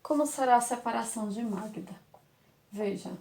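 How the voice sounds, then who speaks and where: A woman's voice: a little high, normal speed, a little mellow. A Brazilian woman teaching a lesson to young children, affectionate and patient, repeating words and asking rhetorical questions. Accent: Brazilian Portuguese.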